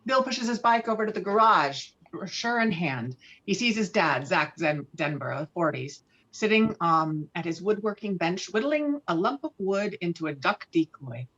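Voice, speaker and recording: A woman narrates a screenplay, reading out scene headings and action. Her voice sits fairly low, and the audio is a little dull and lo-fi. It has the feel of a scripted table read. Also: animated, normal speed, fairly bright tone, husky. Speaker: narrator reading stage directions.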